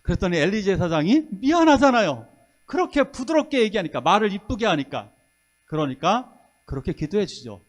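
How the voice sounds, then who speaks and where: A middle-aged man preaching with a high, bright voice that swings up and down. His delivery is lively and story-driven, and he slips into the voices of the people he quotes. He sounds like a pastor in full flow at a Sunday service. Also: fairly quick. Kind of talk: sermon.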